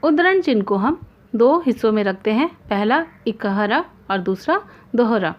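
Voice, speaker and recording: A woman hosting an online grammar lesson, explaining in a formal, measured way with examples. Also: fairly high pitch, animated, muffled recording. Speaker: Hindi grammar teacher, channel host.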